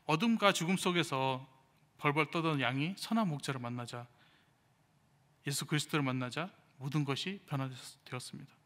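A young man, an evangelist, giving a sermon with a personal testimony, telling his story with animated delivery and acting out the speech of others, recorded in a church sanctuary. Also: a little high, moderate pace. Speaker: evangelist preaching. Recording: reverberant church hall.

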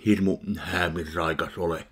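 A middle-aged man from Finland reviewing a salad in a casual food-tasting vlog at his kitchen, slow and deadpan between bites, recorded on a webcam. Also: deep voice, husky. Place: kitchen indoors.

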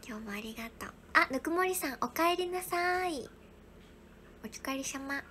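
High-voiced young woman, soft and whispery. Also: lively intonation, moderate pace, slight background noise. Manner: soft, often whispery, thanking viewers one by one. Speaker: livestream host. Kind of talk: casual livestream chat reading viewer gifts.

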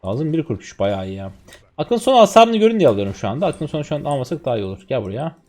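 A man in his twenties from Turkey, a streamer chatting excitedly to viewers while commentating his own gameplay. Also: fairly high pitch, racing. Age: 20s.

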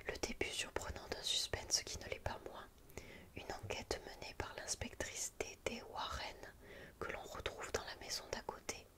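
A young adult woman with a French accent, speaking in a hushed, breathy ASMR library whisper close to the microphone. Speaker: ASMR video host. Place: quiet indoor room. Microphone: close studio mic with furry windscreen.

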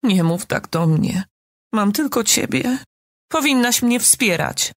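A woman reading an audiobook, voicing a self-important middle-aged writer who is a mother, with a husky voice and a lofty, theatrical manner. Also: a little high, lively intonation, takes it slowly, no room sound, clean studio sound. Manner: lofty and theatrical, then soothing. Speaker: audiobook reader.

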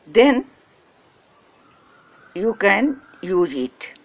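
A woman whose first language is Hindi, hosting a gardening channel and giving slow step-by-step instructions in short phrases. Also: mid-range voice, big pitch swings, creaky. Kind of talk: step-by-step how-to narration.

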